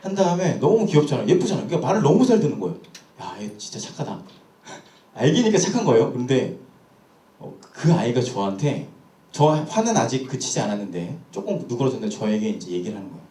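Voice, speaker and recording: A man's voice: medium pitch, very animated, fast talker, dark tone. A young man, a pastor, telling a personal story in a sermon with candid, self-questioning storytelling. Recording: echoey church hall.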